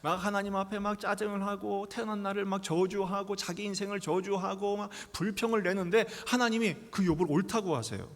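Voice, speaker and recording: Male pastor, high voice, live sermon, whispers to near-shouts, church hall reverb. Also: fairly even intonation, a little fast, few pauses. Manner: dramatic, swings from hushed whispers to loud outbursts; acts out quoted voices. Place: church sanctuary.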